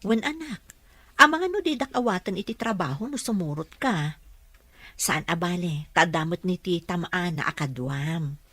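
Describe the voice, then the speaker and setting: A woman playing a humble, hard-up mother and household helper in a radio drama, gentle and deferential. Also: lowish voice, lively intonation, moderate pace, dry recording. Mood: gentle, motherly.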